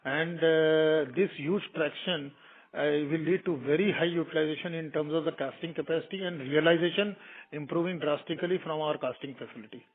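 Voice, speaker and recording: Higher-voiced Indian man on tinny phone line. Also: fairly even intonation, a little fast. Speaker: company executive answering analysts. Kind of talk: earnings call answers.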